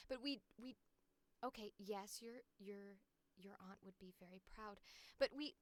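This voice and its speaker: A woman voicing a patient, soft-spoken mother who hesitantly coaxes and scolds a child before giving in. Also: medium pitch, lightly acted. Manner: hesitant, restarting, patient and coaxing.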